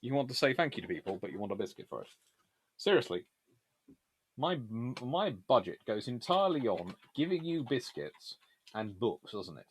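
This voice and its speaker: A man hosting a casual live question-and-answer stream on naval history, chatty and animated, talking in a stop-start way with trailing asides. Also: medium pitch, normal speed, slightly rough. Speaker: livestream host answering viewer questions.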